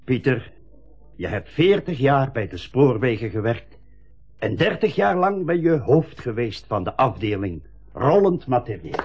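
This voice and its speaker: An actor playing a jovial railway colleague in a radio play, giving a teasing, ceremonial retirement speech. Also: male voice, medium pitch, sing-song, a little slow, a little mellow, husky, lo-fi sound. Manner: ceremonial, jocular public speechmaking.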